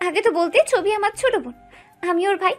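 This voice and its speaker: A woman's voice: extremely high pitch, fairly quick, soft background music. A woman voicing a hot-tempered young wife in an audio drama, with biting, accusing outbursts. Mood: angry.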